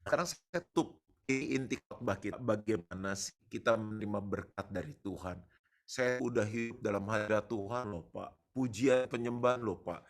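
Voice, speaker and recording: A male pastor preaching a sermon, animated and joking, slipping English words into his talk. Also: fairly low pitch, moderate pace.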